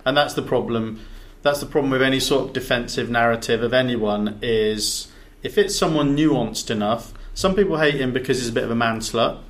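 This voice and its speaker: A man's voice: medium pitch, brisk, few pauses. A man chatting on a podcast, his thoughts tumbling out in loose, rambling sentences full of restarts. He sits a little back from the microphone in a makeshift studio. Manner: rambling, many restarts and repeated words. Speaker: podcast co-host. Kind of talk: casual chat. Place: big echoey box used as studio. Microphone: sitting back from the table and mic.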